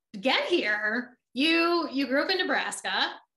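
An American accent with a bright, sharp tone and very wide pitch swings, delivered at a fairly slow pace. The background is quiet, though some room echo is audible. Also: woman. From Baltimore, US. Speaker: podcast host. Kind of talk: casual interview. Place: home room.

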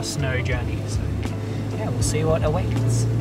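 Loud background music over dry sound with no echo. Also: man. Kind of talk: casual vlog chat. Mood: calm, awed. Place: car. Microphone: camera far.

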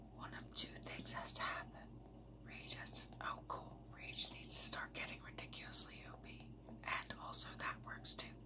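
Whispering at a very slow pace. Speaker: ASMR gaming content creator. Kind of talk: casual gameplay commentary to camera. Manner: whispered, soft-spoken. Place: home room. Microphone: phone near.

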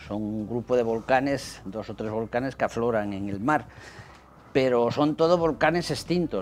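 A man speaks at a fairly slow pace with ordinary pitch variation. Light background noise sits behind him. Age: 60s. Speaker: geologist; guest. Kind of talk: interview. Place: studio. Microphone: lapel.

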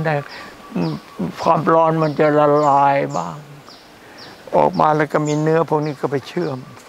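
A man speaks over light background noise, the sound dry with no echo. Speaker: monk teacher. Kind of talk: casual explanation on a walk. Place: open country.

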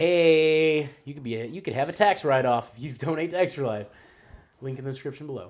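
Big swings in loudness mark this man's voice, which sits at a fairly high pitch. He speaks at a fairly quick pace with ordinary pitch variation. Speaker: gaming channel co-host. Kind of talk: casual chat; casual podcast chat. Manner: animated. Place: home room.

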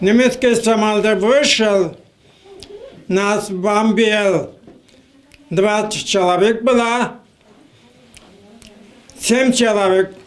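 A man with a high pitch speaks at a very slow pace, leaving long, frequent pauses, his intonation fairly even and his loudness very even. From Bashkortostan, Russia. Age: 80s+. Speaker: war veteran. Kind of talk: interview answer. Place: home room. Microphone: handheld.

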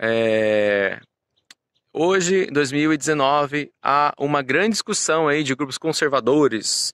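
A man speaks in a bright, sharp tone. The sound is dry with no echo, and the background is quiet. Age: 30s. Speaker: youtuber explaining a school text. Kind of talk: reading aloud with commentary. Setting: outdoors in a park. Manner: casual, conversational. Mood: ironic, sarcastic at times. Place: open country. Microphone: phone near.

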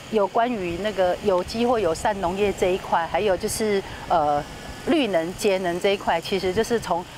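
A woman speaks at a fairly slow pace in a dry sound with no echo, with noticeable background noise. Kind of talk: interview answer. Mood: calm, explanatory. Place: farm. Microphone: lapel.

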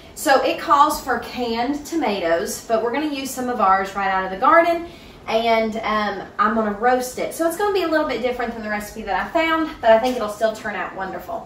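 With hardly any pauses, a woman talks at a fairly quick pace. There is audible room echo and light background noise. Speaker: home cook vlogger. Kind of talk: cooking tutorial. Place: kitchen. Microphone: camera far.

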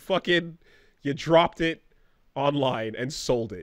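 Over a quiet background with dry sound and no echo, a man speaks at a fairly slow pace with ordinary pitch variation. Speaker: podcast co-host. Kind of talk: casual podcast chat. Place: home room. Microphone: studio mic.

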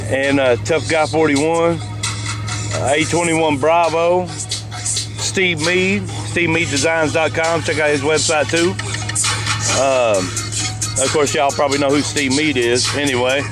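A man speaks at a fairly slow pace, with long, frequent pauses and ordinary pitch variation. Clear music plays behind his dry voice, which has no echo. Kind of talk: casual vlog chat. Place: car. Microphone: phone near.

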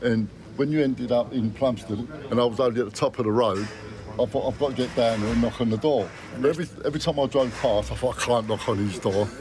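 A man talks very fast at a very even loudness with ordinary pitch variation, over noticeable background noise. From England. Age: 60s. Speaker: admirer meeting a guest. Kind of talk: casual chat. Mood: warm, jovial. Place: street.

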